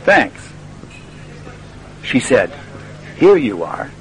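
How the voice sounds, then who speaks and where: A friendly radio reporter in a scripted learner dialogue. He speaks clearly and patiently with a lively, bouncing intonation, and there is a faint hiss behind him. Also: medium pitch, drawn-out words, rough recording. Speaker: interviewer.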